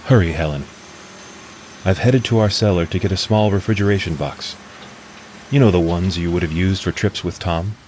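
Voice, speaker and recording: An actor voicing a thoughtful male android, soft-spoken and reflective. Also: sits low, moderate pace, long pauses, a little hiss or hum, natural voice. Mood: urgent. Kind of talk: radio drama acting.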